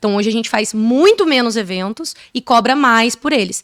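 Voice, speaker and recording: A woman with a plain, everyday voice talks at a moderate pace. Her pitch is fairly high with ordinary variation, and the sound is dry and close with no echo. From Brazil, Vale do Paraíba, interior of São Paulo. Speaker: recreation professional and business owner. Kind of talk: podcast interview.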